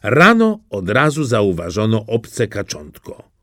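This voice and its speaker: A man reading a fairy tale audiobook in an expressive storytelling manner. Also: lowish voice, takes it slowly, dry recording, studio quality. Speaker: narrator.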